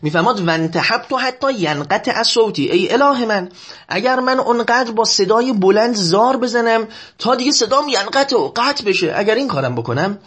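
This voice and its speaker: A male religious lecturer with a husky, high, very lively voice gives a sermon explaining Arabic prayers. He chants the Arabic lines slowly and drawn-out, then explains them more quickly in plain speech, continually urging listeners to pay attention.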